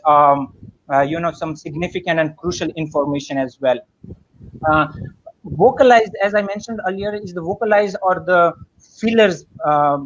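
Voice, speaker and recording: A guest speaker with a high-sitting voice gives a spoken lesson on public speaking, captured in lo-fi sound. He hesitates often, filling gaps and restarting his sentences.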